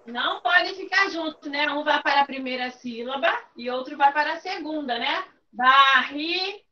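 A woman's voice: sits high, a little fast, pushed and bright, dull audio. A woman, teaching a class online and patiently coaxing her pupils by name with repeated questions. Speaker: primary school teacher.

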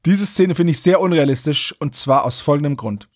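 A man's voice: on the high side, moderate pace. A man hosting a podcast, recapping a story in a casual, wry, joking way. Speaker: podcast host.

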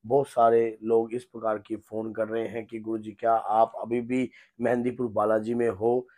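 A hoarse man in his thirties, a spiritual guru giving an earnest devotional teaching talk at home. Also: on the low side, monotone, normal speed, a little mellow. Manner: earnest, gesturing, repeats himself. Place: home room with a shrine, indoors.

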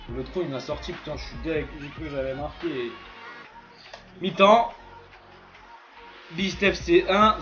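High-pitched young Frenchman commentating, muffled audio. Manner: informal, slangy, swearing, exclaiming at plays. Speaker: gaming video creator playing a football game. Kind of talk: casual excited gameplay commentary. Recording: dull lo-fi voice track with music behind.

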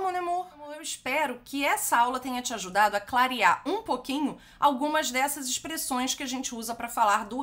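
A woman with a Brazilian Portuguese accent teaching an online French lesson, affectionate with her viewers and repeating each word slowly to model pronunciation. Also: fairly high pitch, fairly bright tone.

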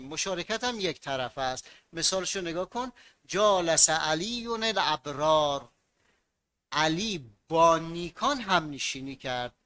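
Male teacher, higher-pitched and bright; drills verb patterns rhythmically and quizzes students. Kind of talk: classroom grammar lesson.

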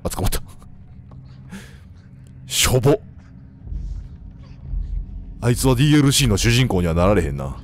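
Lively low-voiced Kansai man playing a game. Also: racing, hardly any pauses. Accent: Kansai Japanese. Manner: joking, talks to the game characters, sudden shouts. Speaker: gameplay commentator. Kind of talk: casual let's-play commentary. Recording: faint game music behind.

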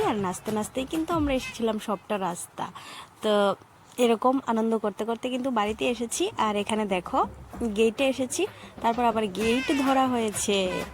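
A woman, hoarse from a cold, giving a chatty voice-over for her family vlog with many hesitant fillers. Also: on the high side. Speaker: family vlogger.

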